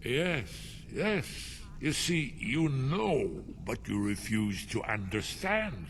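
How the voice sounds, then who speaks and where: Paranoid old scholar, fatalistic game character, widely swinging pitch, slow pace, agitated muttering. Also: male voice, big pitch swings, a little hiss or hum. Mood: doom-laden. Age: older. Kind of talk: video game character acting.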